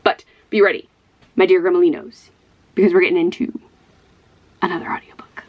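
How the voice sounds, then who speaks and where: On a lo-fi recording, a young Ohio book vlogger with a Midwestern American accent talks casually to the camera. Her voice sits on the low side with fairly even intonation and runs a little fast, full of rambling, giggles, and fillers.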